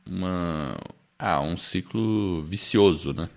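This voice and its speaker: A man with a São Paulo accent, co-hosting a podcast in casual book-discussion chat, chatty and quick to laugh, often tagging lines with a questioning "né?". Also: low voice, creaky. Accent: São Paulo Portuguese. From born in the United States, raised in Brazil. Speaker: podcast co-host.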